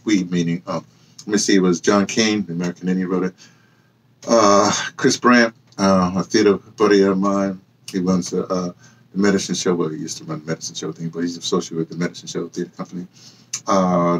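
Speaking a little fast in a level tone, a low-pitched, husky man in his sixties tells a rambling story to camera, full of asides and self-corrections. He's a memoir-channel host and audio dramatist sitting in a small room with bookshelves and clothes hanging up. The audio quality is poor.

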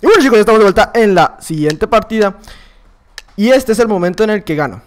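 A man giving excitable live commentary over his own gameplay, swearing and yelping when things go wrong. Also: high-pitched, fast. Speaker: gaming video creator.

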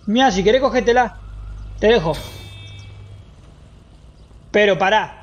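A man's voice: sits high, measured pace, slight background noise. A young man with an Argentine Rioplatense accent, bantering brashly during a role-play game stream, slightly muffled. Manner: brash, joking, animated.

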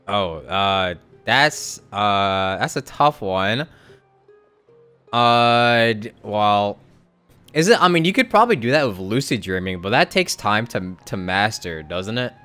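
A man chats as a game streamer with very lively swings in pitch. His talk is casual and rambling, with halting turns, over faint game music. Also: clean tone. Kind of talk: casual live-stream commentary with reading aloud.

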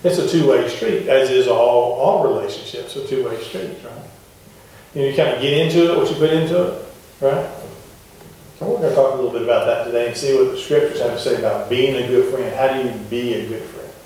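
A middle-aged man preaching a sermon to his congregation in a wooden church, talking in a relaxed, conversational way and asking the pews questions. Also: medium pitch, fairly quick. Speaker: pastor. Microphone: far camera at the back of the church. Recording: echoey church heard from far off.

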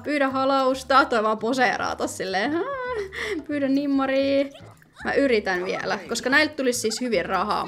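Chatty young woman pleading at a game. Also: fairly high pitch. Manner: chatty, pleading and excitable, reading game options aloud. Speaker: gaming video host. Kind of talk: casual gameplay commentary.

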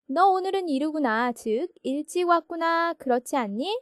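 A woman teaching English grammar in a recorded lesson, going through each sentence patiently. Her voice sits high and her delivery is slow and deliberate. The sound is dry and close, with no room echo. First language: Korean. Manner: patient, step-by-step explaining. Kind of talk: recorded lesson explaining a textbook.

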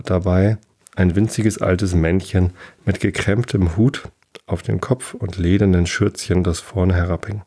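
A man calmly reading a fairy tale aloud as a sleep podcast host, even and unhurried. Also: low voice, creaky. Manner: slow, even reading with small slips. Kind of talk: calm bedtime story reading.

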